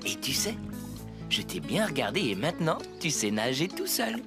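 A patient young cartoon dad, with very lively intonation. He is gentle, encouraging and clearly spoken, with loud music behind him. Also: medium pitch, moderate pace. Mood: reassuring, proud. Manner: gentle, reassuring, clearly articulated. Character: patient, encouraging young father of a little boy. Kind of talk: French children's cartoon dubbing.

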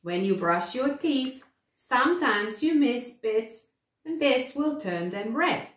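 Woman reading as a friendly, lively storybook dentist man. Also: on the high side, slow, pitched above the performer's own voice. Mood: gentle, explanatory. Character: friendly, encouraging male dentist in a children's storybook. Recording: echoey room.

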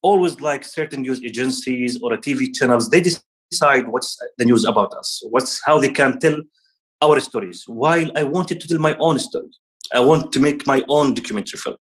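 A man in his thirties from Palestine gives earnest remarks on a video call. His voice sits at a middling pitch, and his speech is halting, full of restarts. He gestures as he speaks, from an office. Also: rough recording. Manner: gestures with hands while talking. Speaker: guest speaker. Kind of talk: online ceremony remarks.

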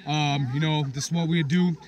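A man's voice: a little high, fairly even intonation, normal speed, darkish tone, muffled recording. A young man giving cocky, pumped-up boasts in a mock sports-star interview, outdoors. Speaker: camp participant. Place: outdoors on a grassy field. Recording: background music under the voice.

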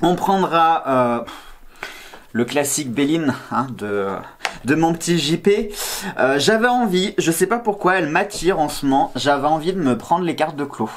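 A man's voice: fairly high pitch, lively intonation, moderate pace. A man in his thirties with a slight slushy lisp, hosting a casual tarot vlog in a playful, self-teasing, digressive way. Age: 30s. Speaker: tarot card reader and video host. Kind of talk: casual chatty vlog to camera. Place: small indoor room, seated at a table.

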